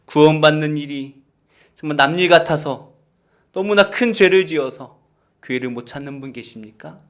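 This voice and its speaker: A man preaching a Sunday sermon as pastor, in an earnest, pleading way that swings between loud stressed phrases and hushed near-whispers. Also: on the high side, normal speed. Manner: earnest, pleading appeals to listeners. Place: church service.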